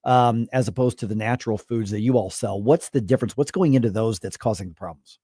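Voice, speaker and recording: A man in his fifties hosting a casual radio talk show interview, chatty and halting, often restarting his sentences. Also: lowish voice, warm tone, breathy edge, no echo, studio quality. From United States. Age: 50s. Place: radio studio. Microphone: studio microphone.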